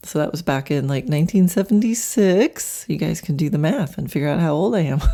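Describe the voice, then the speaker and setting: This woman has a very deep, low pitch and a dark, mellow tone. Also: very clean recording, silent background. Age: 60s. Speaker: podcast host and horse trainer. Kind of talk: casual solo podcast talk. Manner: conversational, with many fillers.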